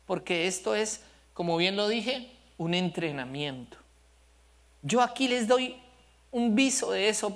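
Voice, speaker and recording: A male pastor preaching a sermon, telling stories with animation and asking the congregation questions. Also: high voice. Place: church service.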